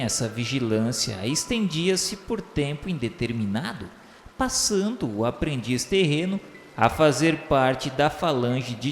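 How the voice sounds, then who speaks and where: A man with a Brazilian accent playing a solemn spirit who recounts his memoirs in formal, measured radio novel narration. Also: a little high. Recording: echoing hall reverb over music.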